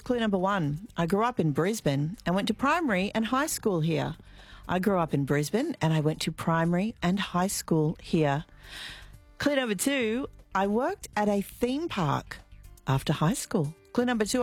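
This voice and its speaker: A middle-aged woman with an Australian accent hosting live radio, chatty and relaxed, with frequent fillers. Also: mid-range voice. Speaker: radio host. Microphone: studio microphone.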